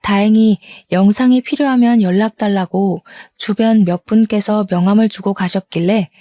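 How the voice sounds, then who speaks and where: Woman in her 30s telling her story, fired up, mellow tone, dry close mic. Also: mid-range voice, steady tone, moderate pace, dry recording. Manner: indignant, vivid storytelling. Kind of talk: first-person story narration.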